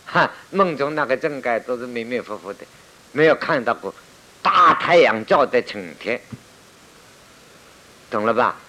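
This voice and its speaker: A man teaching Buddhism to a seated audience, telling it lively, acting out cries and scolding his listeners. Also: mid-range voice. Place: lecture room with listeners.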